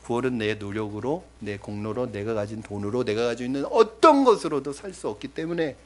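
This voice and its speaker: A man's voice: lively intonation, a little fast. A middle-aged man preaching a sermon to his congregation, emphatic, addressing them directly and often quoting scripture. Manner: emphatic preaching with big swings in pitch and volume. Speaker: pastor.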